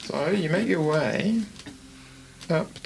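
A man speaks in a New Zealand accent with ordinary pitch variation. Behind him, background noise is noticeable. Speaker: dungeon master. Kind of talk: tabletop roleplaying game narration.

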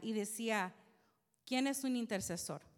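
This is a woman with a fairly high pitch and ordinary pitch variation. The recording is very clean, with a silent background. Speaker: intercessory prayer group member. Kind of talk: testimony.

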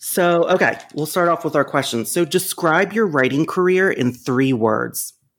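Using a plain, everyday voice, a man speaks at a fairly high pitch and a moderate pace, with ordinary pitch variation, very even loudness and hardly any pauses. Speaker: podcast co-host. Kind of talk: casual chat and interview.

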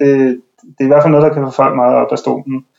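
This man speaks at a medium pitch. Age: 40s. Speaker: civil servant. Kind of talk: interview. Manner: halting.

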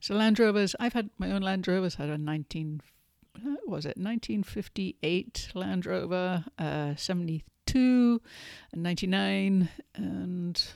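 Using lively intonation, a woman speaks with an English accent in a dry, close sound with no echo. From England. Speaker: podcast host and author. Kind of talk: solo podcast monologue.

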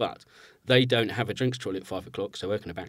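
With a southern English accent, a man speaks in fairly even intonation on a very clean recording with a silent background. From England, Buckinghamshire. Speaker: PR agency director. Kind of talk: interview.

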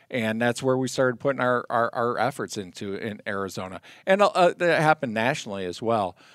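A man with a normal speaking voice and a medium pitch talks at a fairly quick pace with lively intonation, the sound dry and close with no echo on a very clean recording with a silent background. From Michigan. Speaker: state wildlife agency staffer. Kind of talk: casual interview conversation.

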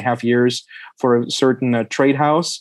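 Fairly quick speech with a Russian accent, fairly even intonation and a quiet background. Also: man. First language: German. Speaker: logistics and e-commerce expert. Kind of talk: casual interview discussion. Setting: video call.

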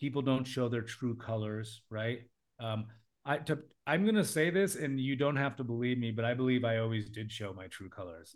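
With an American accent, a man speaks in a plain, everyday voice at medium pitch and with ordinary pitch variation. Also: moderate pace. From United States. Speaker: English teacher. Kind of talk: casual chat.

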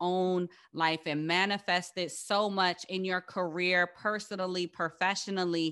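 With an American accent and an unremarkable speaking voice, a woman of medium pitch talks at a fairly slow pace with fairly even intonation against a quiet background. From New Jersey. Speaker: podcast host, military spouse. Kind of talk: interview; scripted intro.

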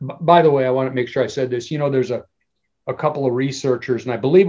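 It is a normal speaking voice with ordinary pitch variation. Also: man. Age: 60s. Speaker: psychology professor. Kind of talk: interview.

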